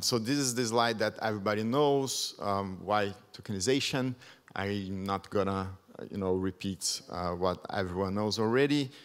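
A man's voice: low-pitched, clean tone. A man in his thirties from Brazil, speaking English with a Brazilian accent as a second language. He gives a careful conference presentation at a podium mic, with frequent ums. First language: Portuguese. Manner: measured, careful non-native English with many ums. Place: large conference hall, at a podium. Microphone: podium microphone.

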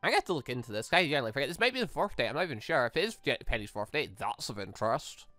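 Excitable, bright-voiced let's player with swooping pitch. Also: very fast, no room sound, soft background music. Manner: exclaiming, rambling, thinking aloud. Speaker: video game let's player. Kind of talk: excitable gameplay commentary, reading dialogue aloud.

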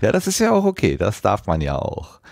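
A man hosting a podcast, talking off the cuff with deliberate, searching phrasing. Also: fairly low pitch, huge pitch swings, gravelly, darkish tone, no room sound, studio quality. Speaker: podcast host. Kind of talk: unscripted podcast talk.

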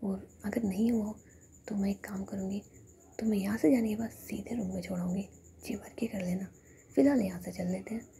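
A woman's voice: medium pitch, steady tone, brisk, gravelly, warm tone, slight background noise, natural voice. A woman whispering the lines of a teasing young woman friend.

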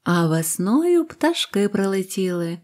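A woman reading a fairy tale aloud in a calm, tender narrating voice. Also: mid-range voice, slow. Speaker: storyteller.

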